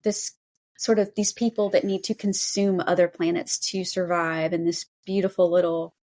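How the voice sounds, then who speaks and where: A woman's voice: lowish voice, flat delivery, moderate pace, a little mellow. A woman hosting a podcast interview, talking casually and effusively. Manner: effusive, gushing. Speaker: podcast host and anthology editor.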